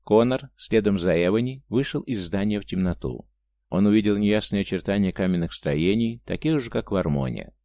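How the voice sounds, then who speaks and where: Man reading an audiobook, low dark voice. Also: animated, a little fast, no echo. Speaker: narrator. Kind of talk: audiobook narration of science fiction.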